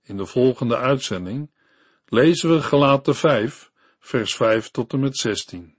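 A man reading a devotional story and sermon for a radio Bible program, in a slow, earnest storytelling manner. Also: medium pitch, animated, slightly rough, dry recording.

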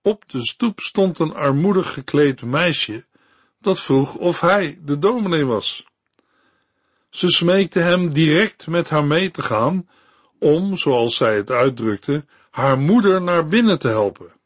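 A man narrating a Christian story in a calm, measured reading voice. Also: on the high side, slightly rough, dry recording. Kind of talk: read-aloud Christian story.

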